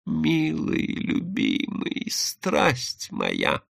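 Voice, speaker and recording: A male reader puts on a frightened young woman spy from an old-style detective audiobook. She speaks high and breathy in a quivering half-whisper, pleading and confessing. The read is close and dry. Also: huge pitch swings, drawn-out words, a bit bright, no echo, full character voice. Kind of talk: audiobook character voice.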